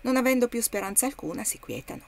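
A woman's voice: fairly high pitch, animated, fast talker, pitched above the performer's own voice. Audiobook: woman voicing a persuasive, callous male trader, matter-of-fact. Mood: smug. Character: smooth-talking callous male slave trader.

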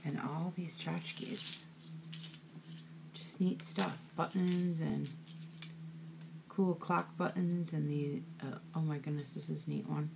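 A woman's voice: deep voice, fairly even intonation, takes it slowly, creaky, long pauses, noisy background. A woman chatting casually as she unpacks craft mail, gushing with "ooh" and "so cute" at every item. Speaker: crafting vlogger. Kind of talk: casual unboxing chat.

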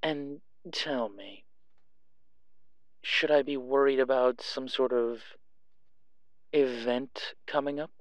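A man's voice: medium pitch, slow, long pauses, dry recording, natural voice. A man playing a sly, theatrical black-market dealer in an audio roleplay, coy, teasing and purring as he pries. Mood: teasing, coaxing.

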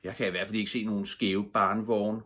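A man's voice: fairly low pitch, flat delivery, pushed and bright. A man voicing a pretty, dismissive little girl in a storybook reading, speaking curtly.

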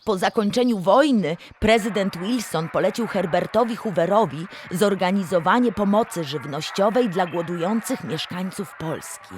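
A friendly female storybook creature, played by a woman explains history for children. She speaks at a medium pitch with careful diction and a knowledgeable manner, over an audible ambient background noise. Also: normal speed, few pauses, lightly acted. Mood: explanatory. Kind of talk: children's audio drama, storytelling.

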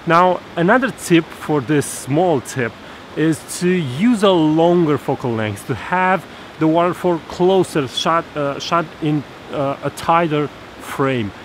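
A man in his thirties talks through a photography lesson outdoors, with a fairly high voice. He explains step by step, pausing on fillers and restarting his phrases. A rushing stream is clearly heard behind him, recorded at arm's length. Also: a little hiss or hum, rough recording. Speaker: photography instructor. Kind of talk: outdoor tutorial to camera. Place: snowy forest stream outdoors. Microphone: camera held at arm's length. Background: rushing stream water.

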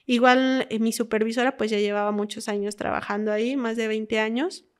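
A young woman with a Mexican Spanish accent and a smooth, clear voice, pitched a little high for a woman. She tells her stories in an animated way and acts out frightened callers as she quotes them. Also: brisk. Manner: animated storyteller, quotes callers with dramatic whispers and pleas. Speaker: former emergency call operator. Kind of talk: conversational storytelling.

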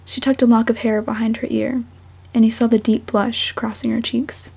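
A young woman with a fairly high, husky voice and a slightly mellow tone. She speaks softly and takes her time, like someone reading her own story to listeners. There is some creak at the edges of her words. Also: little pitch movement, moderate pace. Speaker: fan fiction author and podfic reader. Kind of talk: audiobook-style story narration, then casual self-conscious chat.

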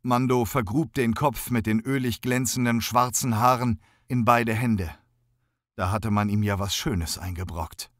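A man reading an audiobook in a steady, even scripted narration on a close studio mic. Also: medium pitch, unhurried, no echo.

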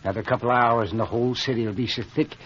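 An actor playing a suspicious, stubborn old cemetery caretaker with a rural American accent and a husky voice in a radio drama. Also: male voice, medium pitch, fairly even intonation, rapid-fire, a bit bright, a little hiss or hum, close to an everyday voice. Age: older. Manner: crusty, folksy, stubborn. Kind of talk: 1940s radio drama acting. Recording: dull vintage radio recording.

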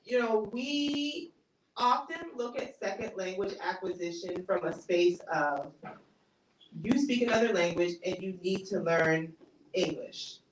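A woman's voice: mid-range voice, expressive, a little slow, a little hiss or hum. A woman author giving a casual talk and answering audience questions, chatty with lots of fillers and easy laughs. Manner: conversational, laughs easily, many fillers. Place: small bookstore cafe event space. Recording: echoey room, mic far off.

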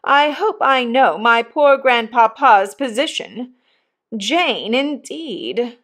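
A woman's voice: a little high, big pitch swings, slow pace, a bit bright, voice pushed up, exaggerated voice. Woman playing a pompous, indignant upper-class mother. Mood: affronted. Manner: pompous, imperious.

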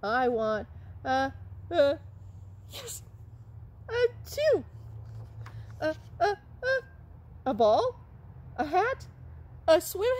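A woman voicing an anxious young male elephant who keeps sneezing, in a high, squeaky, dramatic wail, read aloud for young children. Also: very animated, drawn-out words, long pauses, a little mellow, heavily acted. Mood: distressed.

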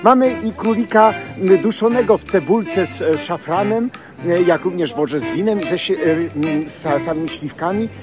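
A man's voice: sits high, moderate pace. A middle-aged man, a city tour guide, chatting to a phone at arm's length as he walks outdoors, with many fillers. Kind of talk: walking vlog to camera. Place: outdoors on a busy city street. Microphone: phone held at arm's length, selfie. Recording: background music over the street sound. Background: clear music.

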